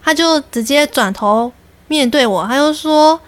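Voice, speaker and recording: A young adult woman tells a story on her podcast in an animated, exasperated way. Her voice is high. The recording is dry and close. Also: a little slow, no echo. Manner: animated, exasperated, quotes people. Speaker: podcast host. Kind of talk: casual storytelling.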